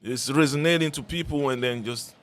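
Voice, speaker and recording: A man's voice: mid-range voice, fairly quick, slight background noise. A man from Cameroon, a musician guest talking in a friendly, rambling way with many fillers. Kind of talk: casual radio interview. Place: radio studio.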